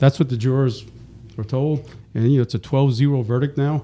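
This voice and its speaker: Talking at a fairly quick pace, a man speaks with a dark, mellow tone. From New Orleans, Louisiana. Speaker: district attorney. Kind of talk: casual interview chat.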